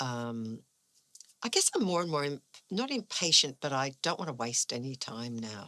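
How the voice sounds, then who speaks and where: A woman speaks with an Australian accent and a very deep, low pitch. Her tone is bright and sharp, and her intonation is lively. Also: moderate pace. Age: 60s. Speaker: actor. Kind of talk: casual chat.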